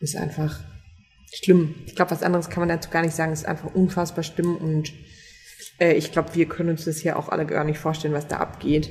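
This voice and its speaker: A woman at a fairly low pitch, fairly quick pace and monotone, flat intonation. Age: 30s. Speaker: podcast co-host. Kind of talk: casual chat. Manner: frequent laughter.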